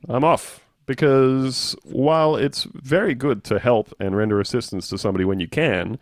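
A man's voice: medium pitch, steady tone, moderate pace, dry recording. A man, rambling through anecdotes in casual chat as a podcast co-host, with dry humor.

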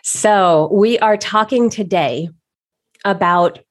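A woman in her thirties hosting a solo podcast, talking enthusiastically and conversationally with frequent restarts, her voice slightly husky from a recent illness. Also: medium pitch, slow. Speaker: podcast host.

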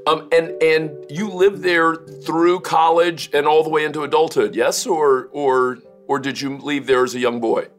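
A man's voice: fairly high pitch, steady tone, normal speed, few pauses, faint music behind. A man hosting an interview, asking curious questions and often restarting them, laughing easily. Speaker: interview host. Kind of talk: interview conversation.

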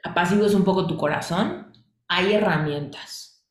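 A woman's voice: fairly low pitch, unhurried, reverberant. A woman teaching a coaching class, asking questions and listing points in repeated phrases. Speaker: coaching instructor.

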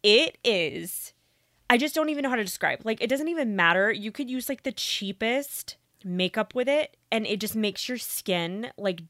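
A woman's voice: on the high side, lively intonation, normal speed, a bit bright, dry recording, clean studio sound. A woman co-hosting a casual chat, gushing with enthusiasm over her favorite finds. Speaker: podcast co-host.

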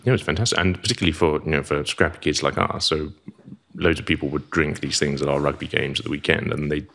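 A middle-aged man from Zimbabwe with a Zimbabwean accent softened by years in England, speaking as a podcast guest in a wry, self-deprecating way with clipped vowels. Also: rumbling low, steady tone, fast talker, vocal fry. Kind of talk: casual podcast conversation.

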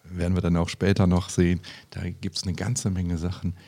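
Brief: male co-host of a Bible talk, low-pitched, gravelly and a little husky, chatty and questioning. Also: flat delivery, moderate pace, mellow. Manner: conversational, asks questions, reads verses aloud. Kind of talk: casual Bible discussion.

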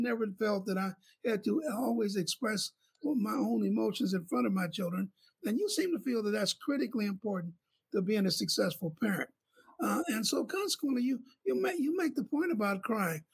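Gravelly high-voiced man, halting host. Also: poor audio. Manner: halting, with many fillers and restarts. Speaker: physician and show host. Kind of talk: panel discussion.

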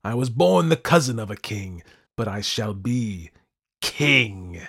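A man performs a deluded madman who believes a crown is his. The voice is pushed well above a low natural register, imperious and furious, with emphatic shouted commands in a dramatic storybook style. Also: animated, slow pace, gravelly, breathy edge, exaggerated voice. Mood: grandiose rage. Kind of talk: dramatic audiobook character acting.

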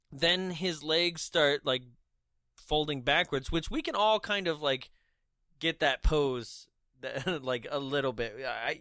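Bright, higher-voiced young man chatting. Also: no room sound, clean studio sound. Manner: laughing often, acting out lines in put-on voices. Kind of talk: casual chat reviewing a film.

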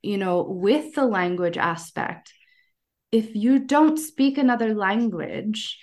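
A woman with an American accent chatting casually as a podcast guest, telling personal stories in an animated way. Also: mid-range voice, slow pace. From United States. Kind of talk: casual conversational storytelling.

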